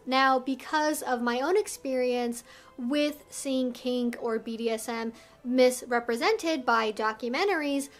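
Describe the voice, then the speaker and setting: A woman's voice: sits high, a bit bright. A woman hosting an explanatory vlog, speaking in an articulate, conversational way and explaining things carefully. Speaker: video host. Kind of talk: explanatory educational vlog, talking to viewers.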